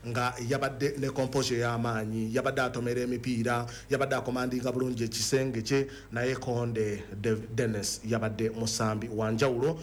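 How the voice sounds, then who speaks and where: Fast-talking Ugandan man presenting football talk. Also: medium pitch, flat delivery, slight background noise. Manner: mixes in English words and phrases. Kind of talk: sports discussion.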